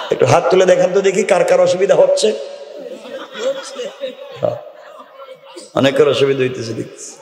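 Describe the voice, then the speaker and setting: A man preaching a sermon to a large gathering, theatrical and teasing, acting out voices and prompting the crowd to answer. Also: fairly high pitch. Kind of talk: sermon at an outdoor religious gathering. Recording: echoey, reverberant PA sound from far.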